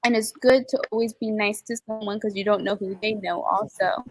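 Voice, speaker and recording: A woman on a church panel, friendly and quick to ask questions. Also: medium pitch, fairly even intonation, dry recording, low-quality recording. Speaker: panel guest, daughter.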